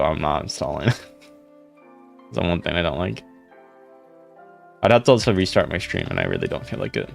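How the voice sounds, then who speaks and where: Young male streamer, deep gravelly voice, laid-back rambling chat, faint music behind. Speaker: live streamer. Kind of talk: casual live stream chat, reading comments.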